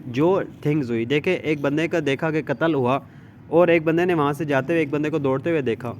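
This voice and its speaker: Pakistani guy doing a lecture, voice a bit on the high side, repeats stuff to explain it, some background noise. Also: fairly quick. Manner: repetitive, explains with everyday examples and frequent check-ins. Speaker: law lecturer. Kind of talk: explanatory lecture, reading out English text and explaining it informally.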